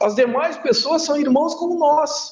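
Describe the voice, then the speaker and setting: A man at extremely high pitch and a fairly slow pace, with audible room echo. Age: 60s. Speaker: spiritist lecturer. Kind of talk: sermon. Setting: spiritist center, streamed live.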